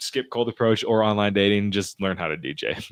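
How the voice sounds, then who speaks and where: The intonation in this clip stays fairly even. An unremarkable speaking voice keeps a fairly quick pace. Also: man. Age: 30s. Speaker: dating coach. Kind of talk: video commentary. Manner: casual.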